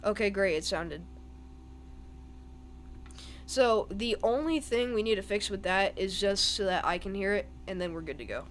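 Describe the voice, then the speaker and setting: A man's voice: high voice, lively intonation, moderate pace, long pauses, fairly bright tone, a little hiss or hum. A young man giving live weather commentary on a stream, thinking aloud over the radar with plenty of ums and restarts.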